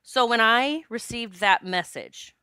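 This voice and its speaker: A woman in her late forties hosting a solo podcast, talking in a chatty, expressive way and joking with her listeners. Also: a little high, slow pace, smooth, no echo. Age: 40s. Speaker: podcast host and psychic medium.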